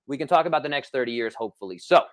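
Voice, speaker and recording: A man's voice: mid-range voice, lively intonation, rapid-fire. A man, a personal trainer, chatting energetically on an online call, with many restarts. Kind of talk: casual podcast chat.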